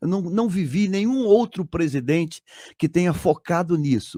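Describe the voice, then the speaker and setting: A man speaks in a high pitch with a dark, mellow tone at a fairly slow pace. The recording is very clean with a silent background, and the sound is dry and close with no echo. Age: 70s. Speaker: pastor. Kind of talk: radio debate.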